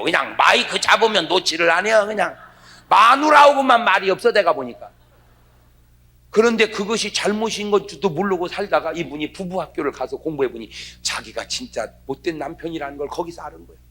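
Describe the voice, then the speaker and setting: A middle-aged man preaching a revival sermon with a husky, slightly rough voice. He tells comic stories, swinging his pitch widely as he acts out the people in them. His voice sits high for a man. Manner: animated storytelling, acts out quoted voices with dialect. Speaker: pastor.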